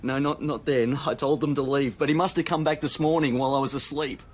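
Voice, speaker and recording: A man's voice: medium pitch, fairly even intonation, brisk, slight background noise, lightly acted. An actor playing a distraught, defensive young father of a missing baby in a TV police drama. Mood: upset. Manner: agitated, defensive.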